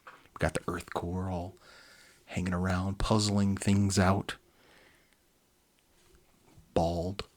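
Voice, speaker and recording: A man in his forties hosting a children's book reading, mixing expressive narration with casual, enthusiastic asides. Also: low-pitched, slow, pauses often. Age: 40s.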